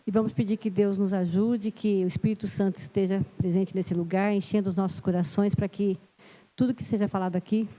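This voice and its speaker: Brisk and warm, with a mid-range voice and fairly even intonation, a middle-aged lay preacher from Brazil gives a sermon in a church hall. Her Brazilian Portuguese accent is clear; nerves show early, then she turns earnest and emphatic. A long church-hall echo hangs over everything.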